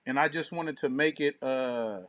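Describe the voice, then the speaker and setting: An American man co-hosts a podcast, his commentary casual, profane and packed with slang, dotted with checking tag phrases. His mid-range voice is fairly bright and a little slow.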